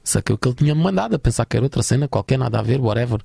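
Fast-talking gravelly young Portuguese man. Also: medium pitch, animated, dark tone, dry recording, clean studio sound. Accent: European Portuguese. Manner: chatty, many fillers, slangy. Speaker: guest musician. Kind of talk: casual storytelling.

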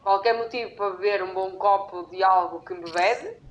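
A woman's voice: mid-range voice, normal speed, dull audio. A woman talking informally in a group conversation. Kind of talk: casual group chat.

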